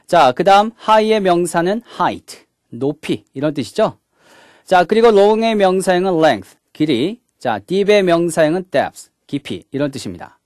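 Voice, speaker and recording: A man with a high-pitched, expressive, slightly mellow voice gives a recorded English grammar lecture at a measured pace. He takes each point step by step, starting every one with a short "자" and mixing English words into his explanation. The studio sound is clean with no echo.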